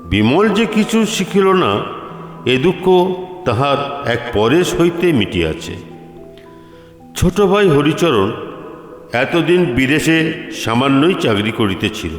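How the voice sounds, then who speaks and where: A man reading a literary story as narrator, with formal, deliberate phrasing. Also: fairly high pitch, big pitch swings. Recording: echoey, long reverb, music behind. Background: music.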